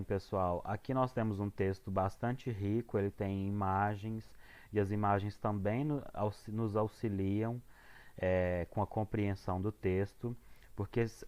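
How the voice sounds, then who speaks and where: A man's voice: fairly low pitch, moderate pace, a little mellow. A male English teacher with a Brazilian Portuguese accent, explaining homework to students in a casual, hesitant way with many fillers and restarts.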